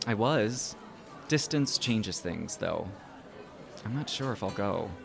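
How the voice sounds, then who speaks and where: A man's voice: fairly low pitch, lively intonation, slow pace, gravelly, music in the background, full character voice. An actor playing an easygoing young man who jokes and reassures his friends in an audio drama, speaking casually. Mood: wry, casual. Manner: casual, joking. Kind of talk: acted dialogue in an audio drama podcast.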